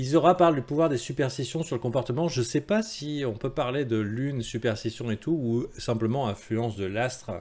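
At a moderate pace and with hardly any pauses, a man talks with ordinary pitch variation. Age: 40s. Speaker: crypto trading analyst. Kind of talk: market analysis video. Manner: casual, hesitant with fillers. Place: home room.

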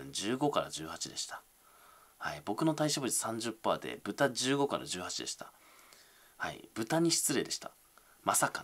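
At a fairly slow pace, a man with a medium-pitched voice and vocal fry talks with lively intonation, big swings in loudness, and long, frequent pauses. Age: 20s. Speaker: YouTuber. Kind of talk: casual chat. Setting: home room. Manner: distinctive intonation. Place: home room. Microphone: phone near.

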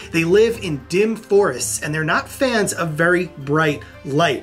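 A man keeps a moderate pace as faint music plays behind him. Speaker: presenter. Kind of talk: educational commentary. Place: home room.

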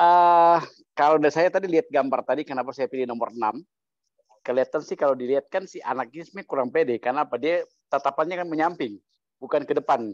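A man talking very fast, dry sound with no echo, quiet background. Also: ordinary pitch variation. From Bandung, West Java; West Java. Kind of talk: casual chat. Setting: video call. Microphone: video call.

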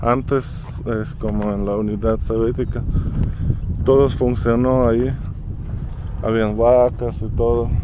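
Over noticeable background noise, a man speaks at a very slow pace with long, frequent pauses, the sound dry with no echo. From Russia. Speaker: travel vlogger. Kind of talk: casual travel vlog chat. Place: open country. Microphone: phone near.

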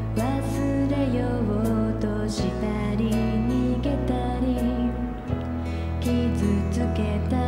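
Music plays in the background as a woman speaks at a very slow pace with ordinary pitch variation. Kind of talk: singing. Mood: gentle, emotional. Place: stage. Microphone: handheld.

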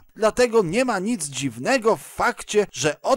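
A man speaks at a very slow pace. His high-pitched voice moves through very wide pitch swings. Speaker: audiobook narrator. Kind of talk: poem audiobook reading, satirical verse read aloud. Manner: steady storyteller pace, stressing rhymes.

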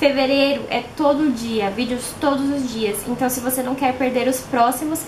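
A woman's high voice comes at a moderate pace with fairly even intonation, light background noise and audible room echo. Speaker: beauty vlogger. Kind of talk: tutorial. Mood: cheerful, friendly. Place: home room.

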